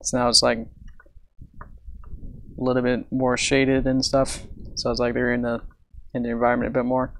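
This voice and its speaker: A man on a casual live stream, rambling with many fillers and soft laughs while he works, sounding tired and a little out of breath. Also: medium pitch, monotone, a little slow, vocal fry, long pauses, slight background noise.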